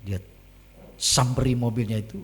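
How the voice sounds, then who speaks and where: A man preaching a sermon during a church service. He tells a story in an animated way and acts out scenes with sound effects. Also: medium pitch, normal speed. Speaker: pastor. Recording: long church-hall reverb.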